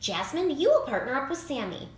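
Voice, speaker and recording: A brisk schoolteacher from a children's story, voiced by a woman, announcing things clearly to a class. The voice is fairly high and animated, recorded in an echoey room. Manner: announcing, emphatic. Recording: roomy echo, faint background noise.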